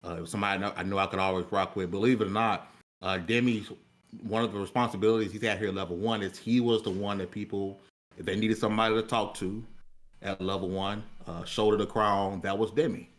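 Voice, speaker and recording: Low-voiced American man, casual podcast host. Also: steady tone, quick pace. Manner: colloquial, repeats words while searching for phrasing. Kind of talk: casual unscripted talk.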